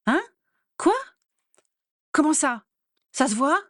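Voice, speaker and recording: A woman voicing a flustered shrill young witch. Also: slow, no room sound, studio quality, exaggerated voice. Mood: alarmed. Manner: high, flustered, excitable. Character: panicky teenage girl witch, gentle sister.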